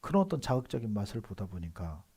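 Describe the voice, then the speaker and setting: Husky-voiced Korean pastor preaching. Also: male voice, lowish voice, big pitch swings, fast. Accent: Seoul Korean. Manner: conversational preaching with frequent affirming "yes" asides; swings between soft asides and loud emphatic outbursts. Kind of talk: sermon.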